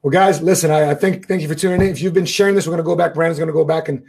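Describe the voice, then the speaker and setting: A man in his forties hosting a business talk show, talking in an energetic, friendly way. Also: a little high, racing, creaky, slightly rough. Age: 40s. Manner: energetic, friendly, hyped sign-offs. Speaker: show host. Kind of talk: casual hosting chat.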